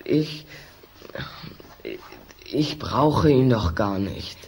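A nervous schoolboy in a children's radio play. The voice sits low and sounds hesitant, evasive and curious. Clear noise runs behind it. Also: female voice, expressive, very slow, darkish tone, exaggerated voice. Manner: hesitant, stammering.

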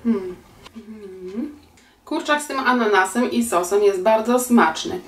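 Woman, 40s, cooking host; calm step-by-step explainer, recorded at a distance in an echoey home kitchen. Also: mid-range voice, slow. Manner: calm step-by-step explaining, addresses viewers politely. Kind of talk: recipe instructions. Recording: roomy kitchen echo, voice a bit distant.

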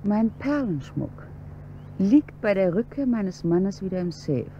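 An actress playing a cold, scheming wealthy wife in a radio play, curt and commanding. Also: female voice, medium pitch, very animated, a little slow, mellow, highs cut off, a little hiss or hum. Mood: contemptuous.

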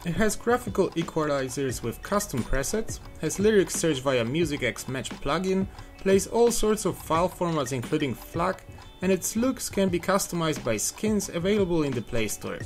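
A man's voice: fairly high pitch, very animated, moderate pace, soft background music. A young man narrating a scripted, upbeat walkthrough of phone apps as the channel's reviewer. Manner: upbeat, clear product walkthrough. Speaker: app reviewer.

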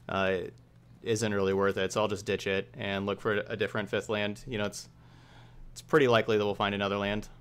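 Fast-talking man with a lowish voice. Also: level tone, fairly bright tone, clear, resonant tone. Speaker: streamer. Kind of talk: casual game commentary.

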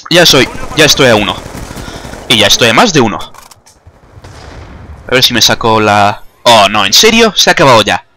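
Bright-voiced young man from Spain. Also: mid-range voice, very animated, normal speed, pauses often. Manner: chatty, joking, self-mocking. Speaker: gaming commentator. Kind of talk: casual gameplay commentary.

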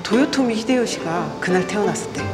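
A woman's voice: mid-range voice, lively intonation, a little fast, poor audio. A woman vlogger casually explaining a historic site on a cycling trip, chatty, with frequent laughs and fillers. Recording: loud background music.

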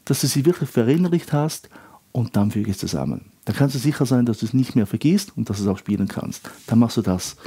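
A man teaching piano in a relaxed, casual tutorial, counting rhythms out loud. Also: mid-range voice, brisk.

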